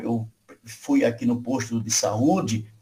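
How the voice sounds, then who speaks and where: This man talks at a very slow pace with a somewhat breathy sound. His pitch varies in an ordinary way. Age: 70s. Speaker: spiritist lecturer, former priest. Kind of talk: lecture Q&A discussion. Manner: hesitant, with fillers.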